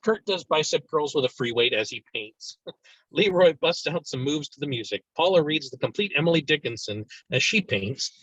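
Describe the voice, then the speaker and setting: A man with a fairly high, husky voice reads screenplay stage directions. His delivery is lively and varied. The sound is dry and a little lo-fi. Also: moderate pace, no room sound. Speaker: narrator reading stage directions. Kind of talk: lively screenplay narration at a table read. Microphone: video call. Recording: dull lo-fi video call audio.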